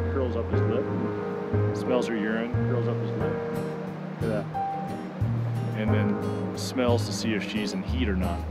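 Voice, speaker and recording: Over loud music in the background, a man speaks at a fairly slow pace with long, frequent pauses, in a dry sound with no echo. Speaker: travel vlogger filming wildlife. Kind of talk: casual vlog commentary. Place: open country. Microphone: phone near.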